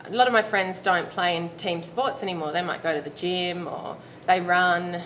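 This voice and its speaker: A chatty woman in her late thirties speaks with a slightly low voice. She answers interview questions easily and laughs now and then. Steady background noise sits under the recording. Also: normal speed. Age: 30s. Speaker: roller derby player interviewee. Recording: noisy background.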